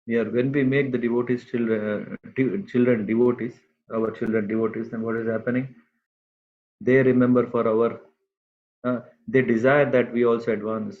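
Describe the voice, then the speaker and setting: A man giving a scripture class to a group, speaking unhurriedly and pausing often with fillers. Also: medium pitch, little pitch movement. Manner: unhurried, halting with many fillers. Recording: tinny phone-like line.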